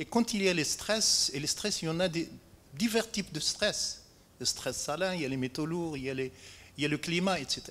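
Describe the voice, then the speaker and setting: The intonation here is lively. This man has a high-pitched voice. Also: moderate pace. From Morocco. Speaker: horticulture professor. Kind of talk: audience question. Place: hall.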